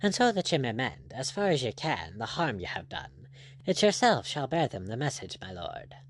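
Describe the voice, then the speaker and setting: A man's voice: medium pitch, sing-song, normal speed, a little hiss or hum. A man voicing a gallant, ironic pirate captain in an audiobook, teasing and courtly in manner. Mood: commanding, mocking.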